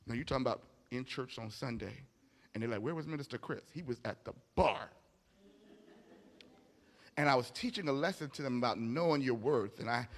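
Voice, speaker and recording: A man preaching a motivational sermon, emphatic and informal, telling stories and repeating key phrases with dramatic pauses. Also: mid-range voice. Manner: informal, anecdotal storytelling. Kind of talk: motivational sermon to a live audience. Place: large indoor hall, speaking from a stage. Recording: echoey hall with long reverb.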